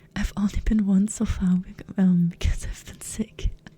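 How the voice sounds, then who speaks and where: A soft-spoken, calm voice at a fairly slow pace, with music in the background. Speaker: VTuber streamer. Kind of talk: casual ASMR stream chat.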